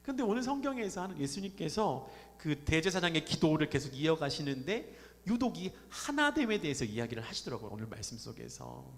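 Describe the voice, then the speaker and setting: A man's voice: fairly high pitch, big pitch swings, a little fast, few pauses. A man preaching a Sunday sermon as pastor, talking conversationally and putting questions to the congregation. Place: church sanctuary. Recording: reverberant church hall.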